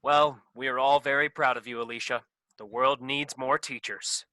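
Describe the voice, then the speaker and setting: Man playing a bright, pumped-up game show host. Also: medium pitch, steady tone, moderate pace, lightly acted. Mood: upbeat. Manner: upbeat, showy, patronizing. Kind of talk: game show parody, sketch comedy.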